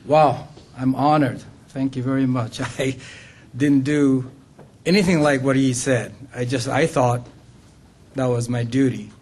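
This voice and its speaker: A man's voice: mid-range voice, steady tone, a little slow, a little mellow. An older man from Japan with a Japanese accent, giving an earnest business talk as a guest speaker at a luncheon and checking in with the room. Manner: earnest, laughs often, asks "okay?" and "right?".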